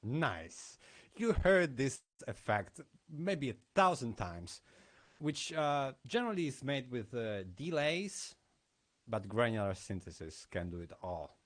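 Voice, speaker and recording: Slow-talking man giving a technical lesson. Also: mid-range voice, sing-song. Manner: explanatory, with demo commentary. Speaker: conference speaker.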